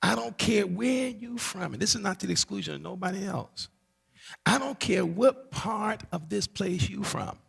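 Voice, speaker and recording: Speaking in a big, reverberant hall, a Barbadian pastor delivers a teaching sermon at moderate speed. His husky, gravelly voice rises and falls animatedly as he checks in with the congregation and emphatically repeats key phrases in call-and-response fashion.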